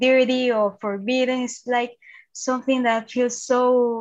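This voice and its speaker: The voice comes with a Spanish accent and a fairly slow pace. The background is quiet. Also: woman. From Chile, Santiago. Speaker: illustrator and concept artist. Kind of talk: casual interview chat.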